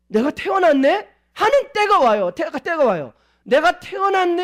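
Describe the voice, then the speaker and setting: A male pastor preaching a sermon at a church service, animated and asking the congregation many questions. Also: very high-pitched.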